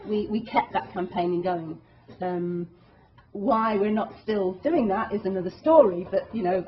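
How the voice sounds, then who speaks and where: A woman activist speaks earnestly and emphatically to an audience at a public meeting, often restarting her phrases. Her pitch sits in the middle range. The recording is dull and lo-fi. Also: slight background noise. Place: meeting hall.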